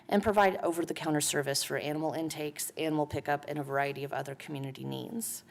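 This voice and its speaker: A woman with a hoarse voice from a cold, giving a formal briefing to a city council, often restarting and correcting herself. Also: deep voice. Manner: halting, with frequent restarts and self-corrections. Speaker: city department head presenting to council.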